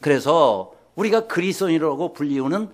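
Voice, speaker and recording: A man's voice: a little high, a little fast. A male pastor preaching a sermon in a church, telling stories and speaking directly to his congregation. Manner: animated storytelling, addresses the congregation directly. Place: church sanctuary.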